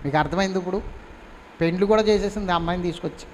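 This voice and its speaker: Male pastor, high voice, emphatic sermon delivery, long hall reverb. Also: racing. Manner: emphatic, urging the congregation to respond. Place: church hall. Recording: reverberant hall, faint background noise.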